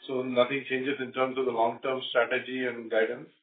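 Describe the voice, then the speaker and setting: A male company executive speaking haltingly on an earnings call, leaning on repeated filler phrases. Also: medium pitch, level tone. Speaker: company executive answering analysts. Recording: roomy, distant phone-like conference line.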